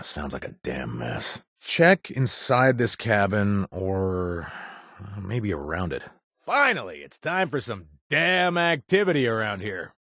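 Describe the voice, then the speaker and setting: Sly sarcastic wasteland drifter for a game, lowish husky voice, swings up and down a lot, dry studio sound. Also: male voice, fairly bright tone, no echo, heavily acted. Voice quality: hesitant, full of "uh" and trailing asides. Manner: sly, sarcastic, offhand delivery. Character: wry shady male wasteland drifter, joking and evasive. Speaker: game companion character. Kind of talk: video game voice lines. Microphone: close studio mic.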